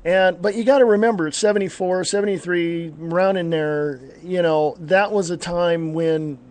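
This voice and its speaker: A man's voice: high voice, fairly even intonation, normal speed, a little mellow. A man in his fifties hosting a live talk show, chatting casually with many fillers and frequent laughs. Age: 50s. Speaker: podcast host. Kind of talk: casual chat.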